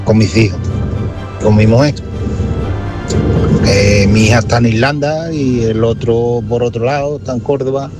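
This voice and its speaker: A man leaving a calm, easygoing message for a radio show. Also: mid-range voice, moderate pace, pauses often, over loud music. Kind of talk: phone-in message.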